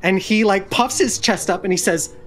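A woman's voice: medium pitch, moderate pace. A woman narrating a tabletop game as its game master. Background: faint music.

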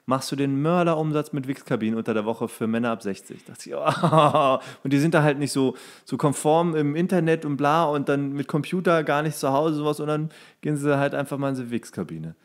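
A man's voice: on the high side, fairly quick, hardly any pauses. A man telling anecdotes in casual, comedic podcast chat, rambling, correcting himself and acting out remarks. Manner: rambling, self-correcting, acts out quoted remarks. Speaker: podcast co-host.

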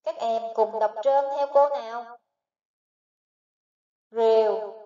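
A woman with a high, mellow voice leads a primary phonics lesson at a slow, deliberate pace, spelling each sound out syllable by syllable. She sounds roomy and set back from the microphone, and the recording is dull. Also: fairly even intonation. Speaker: primary school teacher. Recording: echoey, distant, dull recording.

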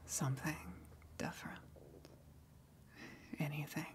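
A woman playing a gentle eldritch tentacle monster in an ASMR roleplay, coaxing and soothing in a breathy whisper with long pauses. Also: low voice, little pitch movement. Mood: soothing, knowing.

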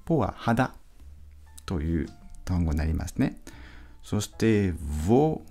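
A male teacher giving a patient pronunciation lesson, repeating each sound slowly for practice. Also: sits low, very animated, vocal fry, mellow, faint music behind. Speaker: French teacher.

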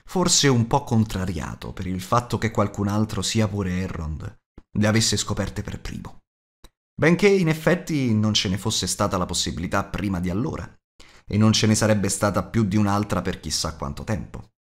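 A man's voice: lowish voice, animated, moderate pace. A man reading scripted fantasy narration as an audiobook narrator.

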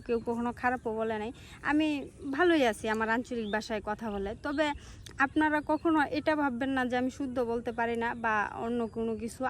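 A woman's voice: on the high side, a little hiss or hum. A young woman from Netrokona, Bangladesh, with a Netrokona Bengali accent, talking earnestly and reflectively to camera in a personal vlog. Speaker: social media creator.

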